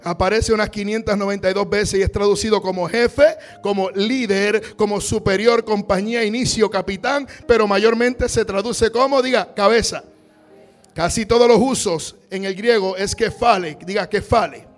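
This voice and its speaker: A man preaching a sermon, calling on the congregation to repeat after him and rising to shouts. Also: high-pitched, steady tone, moderate pace, soft background music. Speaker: pastor.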